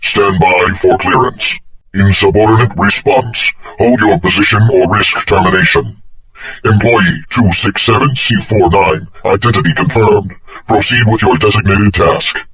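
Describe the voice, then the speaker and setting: A man voicing an impersonal automated security checkpoint in a video game, calm, detached and procedural. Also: lowish voice, measured pace. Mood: detached, official. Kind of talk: scripted video game announcements.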